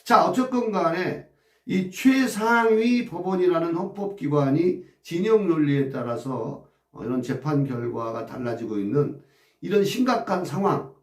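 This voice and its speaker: Man ranting political commentary, high voice, roomy echo, set back from the mic, heated rhetorical questions. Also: a little mellow, distant mic. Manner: agitated, rhetorical, crude insults, repeated "어?" asides. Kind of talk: impassioned political commentary monologue.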